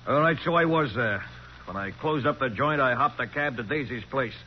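An actor playing a shady, defiant American nightclub operator with slangy tough talk, in 1940s radio crime drama. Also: male voice, mid-range voice, normal speed, natural voice. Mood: grudging, defiant. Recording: dull, faintly noisy 1940s radio recording.

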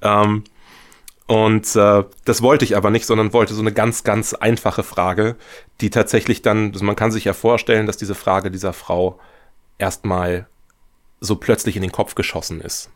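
A man's voice: on the low side, level tone, moderate pace. A man giving reflective interview answers as a guest, thoughtful and often searching for his words. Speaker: radio play writer, interview guest.

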